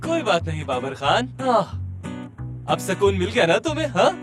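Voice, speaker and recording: A fretful young father, high voice. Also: sing-song, normal speed. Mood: coaxing, fretful. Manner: coaxing and fretful, turning to exasperated pleading. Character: young father fussing over his crying baby. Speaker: voice actor in a dubbed series. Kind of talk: dubbed TV drama acting. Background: background music.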